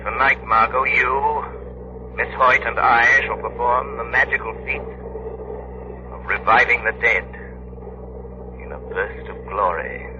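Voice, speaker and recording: An actor playing a calm, commanding male crime-fighting hero in a 1930s radio drama, giving firm, measured instructions. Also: medium pitch, lightly acted. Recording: noisy, muffled 1930s radio recording.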